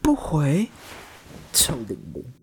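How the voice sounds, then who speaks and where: A man's voice: a little high, sing-song, slow pace, a little hiss or hum. An actor with a Taiwanese accent playing a sweet, scatterbrained, easily flustered young gay man in a radio drama. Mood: grumbling. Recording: music behind the voice.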